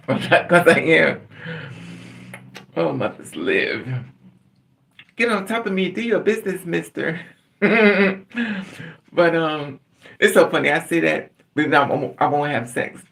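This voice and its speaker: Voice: medium pitch, animated, takes it slowly, creaky, long pauses, fairly bright tone, slight background noise. A middle-aged livestream host chatting casually and candidly with viewers, laughing often and calling on them by name.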